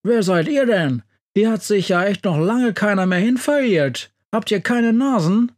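A man's voice: sits high, unhurried, voice pushed up. Man doing a bashful shoe-mad monster. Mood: sheepish. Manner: bashful, excitable, tearful. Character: big hairy male shoe-loving monster, soft-hearted.

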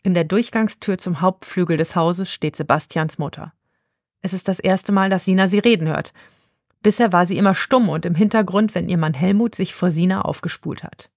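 A woman narrating a story in an even, clear reading voice, giving characters their own voices. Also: on the low side, normal speed, no room sound, studio quality.

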